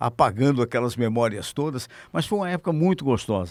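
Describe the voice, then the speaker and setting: The speaker's pitch swings very widely. The recording is very clean, with a silent background. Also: man. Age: 70s. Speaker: actor, writer and broadcaster. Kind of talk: casual chat. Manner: halting.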